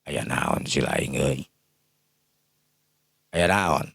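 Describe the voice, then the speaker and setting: A man's voice: rumbling low, drawn-out words, creaky, a bit bright, husky, pitched below the performer's own voice, exaggerated voice. A man with a Sundanese accent voicing a commanding silat master of sixty in a folk tale, brusque and questioning. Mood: brusque, curious. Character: gruff sixty-year-old male silat master, commanding.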